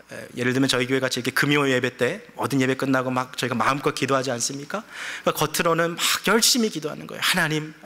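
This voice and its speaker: A male pastor preaching a lively sermon, acting out quotes and asking the congregation questions. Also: on the high side. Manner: animated, acts out quotes, asks the congregation questions. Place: church sanctuary. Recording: reverberant church sanctuary.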